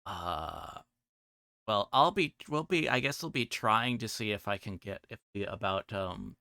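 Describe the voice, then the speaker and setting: A man chatting casually as he hosts a game livestream, halting and rambling and often trailing off. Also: lowish voice, lively intonation, sharp tone, dry recording, studio quality. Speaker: livestream host playing a visual novel.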